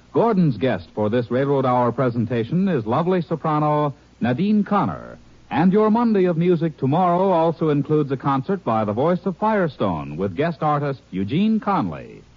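A man reading network promotions in a 1950s radio announcing style. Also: on the high side. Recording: dull vintage radio recording.

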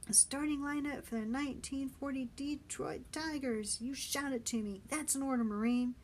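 A woman voicing a gruff, bossy, teasing man with a hoarse voice and slangy, needling orders, in a story reading. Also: sits high, moderate pace, slight background noise, voice pushed up. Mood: commanding, shouting.

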